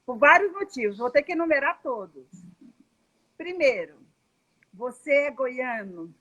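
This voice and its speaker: A woman from Goiânia hosts a live online interview with a high, bright-sounding voice. She talks in a chatty, storytelling way and laughs easily. The sound has the feel of a video call. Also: sing-song, unhurried, low-quality recording. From Goiânia, Brazil. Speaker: host.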